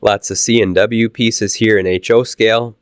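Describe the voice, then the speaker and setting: A man with a Midwestern American accent, casually narrating a walk through a model train show, halting with fillers while he gets over a cold. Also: on the low side, clear, resonant tone, dry recording, studio quality. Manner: relaxed, halting with many "uh" fillers. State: recovering from a cold. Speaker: channel host touring a train show.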